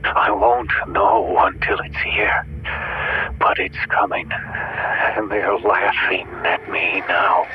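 An actor playing a frightened, eerily resigned man calling emergency services in a horror audio drama, halting and ominous over a phone line. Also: low-pitched, fairly even intonation. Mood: fearful, haunted. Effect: phone line filter. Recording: muffled, noisy phone-call sound.

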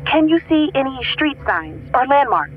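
A woman playing a steady, concerned emergency dispatcher in a horror audio drama, asking procedural questions over a phone line. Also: high voice, moderate pace, soft background music. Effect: phone line filter.

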